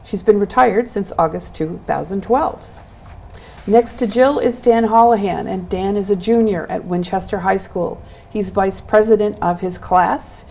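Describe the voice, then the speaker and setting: A woman's voice: mid-range voice, measured pace, gravelly, a little mellow. A woman hosting a local access television show, introducing guests and asking them encouraging questions. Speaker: host.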